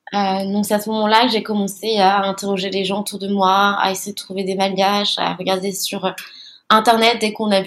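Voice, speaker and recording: Over a silent background in a very clean recording, a woman speaks at a medium pitch with monotone, flat intonation. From Madagascar, then raised in France. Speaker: Instagram content creator on ecology and veganism. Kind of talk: interview. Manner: hesitant, many fillers.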